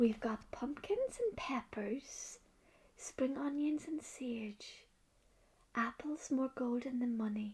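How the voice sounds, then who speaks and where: Very slow, soft-spoken delivery in an Irish accent. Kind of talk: bedtime story reading.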